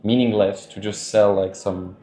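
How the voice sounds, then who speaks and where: A man talking casually as a podcast guest, loose and chatty, laughing often and filling pauses with "like" and "you know". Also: lowish voice, fairly even intonation, warm tone, reverberant. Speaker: podcast guest, dating coach. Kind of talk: casual interview talk.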